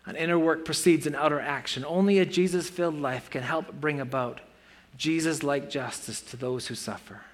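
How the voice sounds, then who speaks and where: A man's voice: on the high side, normal speed. A man in his forties preaching a sermon in a church, earnest and conversational, with playful self-mocking asides. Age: 40s. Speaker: pastor.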